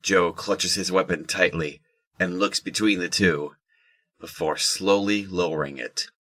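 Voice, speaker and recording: A man's voice: low voice, measured pace, fairly bright tone, no echo. A man reading scripted third-person narration for an audio drama.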